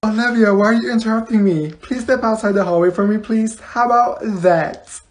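A woman's voice: fairly high pitch, brisk, natural voice. A woman playing a bossy, falsely cheerful schoolteacher in a comedy classroom skit, with a snappy sing-song manner. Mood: stern, sassy. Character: bossy, fake-cheerful female schoolteacher scolding her class.

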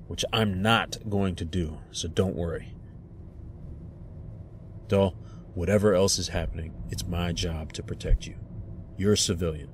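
A protective male agent acted by a man in an audio drama, earnest and reassuring. His voice is deep, with faint vehicle noise behind it. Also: close to an everyday voice.

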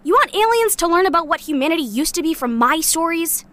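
A woman's voice: very high voice, sing-song, quick pace, fairly bright tone, full character voice. A woman playing a guarded, cynical young scrap scavenger in a sci-fi audio drama, talking bluntly and casually with sardonic bite. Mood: exasperated, sarcastic. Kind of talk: audio drama monologue, naturalistic.

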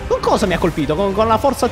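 A man giving excitable gameplay commentary as a streamer, shouting at the boss and joking boastfully. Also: sits high, fast. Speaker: gaming streamer. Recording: loud game music behind.

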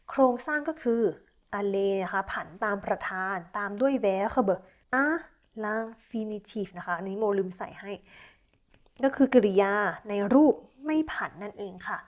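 Slow, careful woman teaching a language. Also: mid-range voice. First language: Thai. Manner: slow, drawn-out model sentences, polite particles. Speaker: French teacher. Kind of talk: language lesson explaining verb conjugation.

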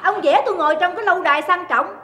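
A woman's voice: racing, bright, forceful tone. An actress with a Southern Vietnamese accent playing a middle-aged jealous wife who scolds and mocks her husband in a stage comedy. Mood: nagging. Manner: shrill, scolding, sarcastic. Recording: roomy stage hall, faint noise.

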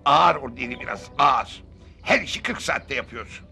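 A gravelly, boastful rich father. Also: mid-range voice, animated, normal speed, sharp tone, soft background music, full character voice. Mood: complaining. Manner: boastful, lordly. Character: smug older wealthy father planning a hotel. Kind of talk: sitcom acting.

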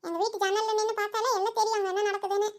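A woman's voice: very high voice, level tone, very fast. A woman voicing a nosy, insistent village gossip in a cartoon, talking breathlessly with chuckling asides. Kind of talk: cartoon voice acting.

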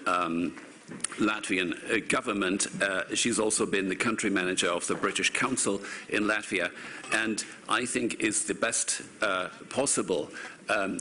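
Hesitant bright-voiced man moderating a panel. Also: fairly low pitch, a little hiss or hum. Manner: hesitant, many fillers and restarts. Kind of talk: conference panel introductions. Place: large conference hall, seated at panel table. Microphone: table microphone.

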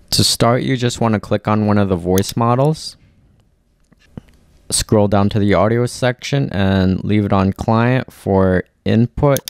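A man narrating a step-by-step software tutorial as presenter, instructing clearly and methodically into a close mic. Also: on the low side.

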